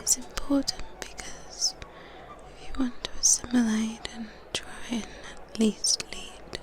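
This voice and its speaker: Woman as a slow whispering, commanding vampire sire. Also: a little high, steady tone, lightly acted. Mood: calm, instructive. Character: domineering elder female vampire sire, teasing and proud. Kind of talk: whispered ASMR roleplay.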